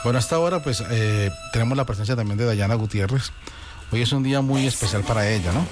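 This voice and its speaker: Man, radio host, effusive and joking, mid pitch, music underneath. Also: quick pace. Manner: warm, effusive well-wishing, joking. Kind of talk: live radio chat.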